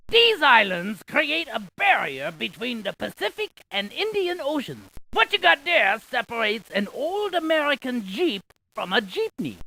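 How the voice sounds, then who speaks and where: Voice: medium pitch, gravelly, pushed and bright, full character voice. An actor voicing a quirky, wisecracking scientist for a video game, with a jokey, theatrical delivery of trivia. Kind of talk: cartoonish educational game voice acting.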